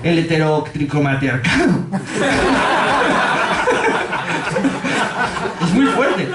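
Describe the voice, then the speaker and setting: Spanish guy doing a funny talk in a pub, high voice, laughs a lot, roomy echo. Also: big pitch swings, very slow, very noisy. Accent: Spanish from Spain. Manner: jokey, laughs often, acts out quotes in a high voice. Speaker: speaker giving a public talk. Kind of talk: humorous storytelling talk. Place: pub with an audience.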